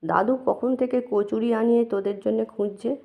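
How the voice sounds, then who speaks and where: A woman's voice: fairly high pitch, fairly even intonation, gravelly. Woman reading as a scolding mother. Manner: rapid string of questions. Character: scolding mother, worried about her sons. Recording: dull lo-fi recording.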